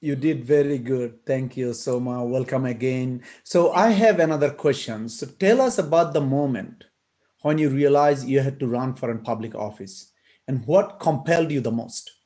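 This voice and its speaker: A man's voice: medium pitch, moderate pace, dark tone. A man co-hosting an online meet-and-greet, asking interview questions in a friendly, encouraging way over a video call. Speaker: co-host.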